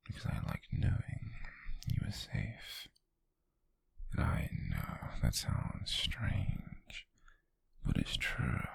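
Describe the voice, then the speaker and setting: A British man playing an obsessive, possessive male stalker in an ASMR roleplay, speaking in a slow, breathy, raspy whisper, teasing and sinister, close to the microphone. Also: deep voice, no room sound, full character voice. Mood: tender obsession.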